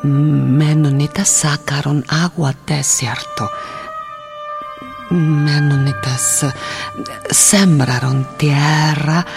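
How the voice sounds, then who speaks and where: An actress playing an earnest Mennonite farm wife in a radio drama, with a German accent and halting, broken phrasing. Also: female voice, low voice, fairly even intonation, gravelly, music in the background, heavily acted. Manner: halting, broken phrasing with dropped articles and hums.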